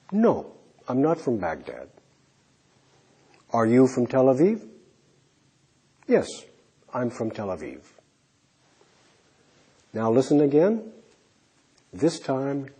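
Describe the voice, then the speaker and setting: A man teaching an English lesson, slowly modelling questions and answers for learners. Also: mid-range voice. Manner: modelling example answers clearly, trailing off softly. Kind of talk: slow, deliberate classroom instruction.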